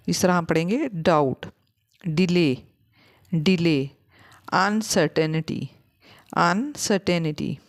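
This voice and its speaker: Slow, low-voiced woman teaching vocabulary. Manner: repeats words slowly for learners. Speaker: English teacher. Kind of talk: vocabulary lesson.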